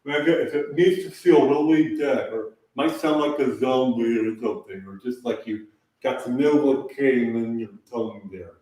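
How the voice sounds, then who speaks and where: A man leading a live online vocal warm-up, calmly coaching and demonstrating sighs and sung exercises. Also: mid-range voice, normal speed, recorded from a distance. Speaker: voice teacher. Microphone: camera mic at a distance. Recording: echoey room, voice off-mic.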